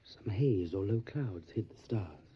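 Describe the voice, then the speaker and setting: An actor playing a courteous solicitor in an audio drama, speaking in a measured, formal way. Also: male voice, on the low side, expressive, husky, full character voice. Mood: polite, curious. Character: courteous English solicitor recounting his journey to Transylvania. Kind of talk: audio drama narration and dialogue. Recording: dull lo-fi audio with music behind. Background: music.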